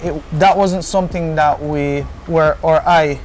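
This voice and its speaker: A man's voice: a little high, steady tone, measured pace, a little mellow, soft background music. A man from Jamaica with a Jamaican accent, chatting casually in patois-flecked English as an interview guest. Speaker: interview guest, car content creator.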